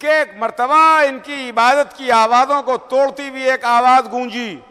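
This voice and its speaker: Guy preaching a majlis, rhythmic repeating lines, bright voice, big echo. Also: very high voice, fairly even intonation, smooth. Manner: oratorical, repetitive rhythmic phrasing. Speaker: Shia cleric giving a majlis. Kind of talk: Urdu majlis sermon. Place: mosque hall. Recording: long hall reverb.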